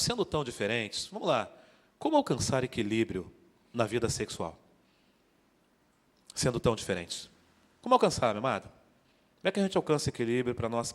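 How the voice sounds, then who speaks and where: A man's voice: fairly high pitch, fairly bright tone. A man preaching to couples, joking and drawing the congregation into call-and-response. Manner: joking, interactive, calls out to the congregation. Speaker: guest preacher. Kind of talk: sermon. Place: church hall. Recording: long church hall reverb.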